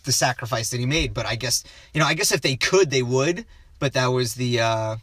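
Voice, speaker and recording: A man's voice: medium pitch, brisk, fairly bright tone, slightly rough, no echo. A man co-hosting a casual film chat. He rambles, restarts his sentences and loses his train of thought. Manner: rambling, stops himself often and trails off.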